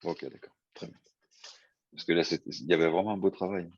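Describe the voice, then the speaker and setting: A man's voice: sits low, fairly even intonation, a little fast, dry recording, highs cut off. A man moderating an informal question session in an encouraging way. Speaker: discussion moderator.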